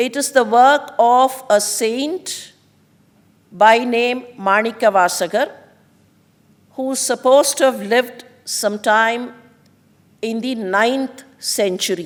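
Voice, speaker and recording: With a Tamil accent, a woman speaks at a very slow pace, leaving long, frequent pauses. Her pitch is high, with ordinary variation. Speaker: panelist. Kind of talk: panel presentation. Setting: auditorium with audience. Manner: formal.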